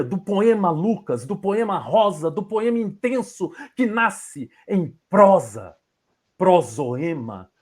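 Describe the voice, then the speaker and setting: Dramatic poet reciting slowly. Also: male voice, sits high, darkish tone, husky. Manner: dramatic, sweeping intonation with long pauses. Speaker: interviewer and poet. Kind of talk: improvised poetry recitation. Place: home office.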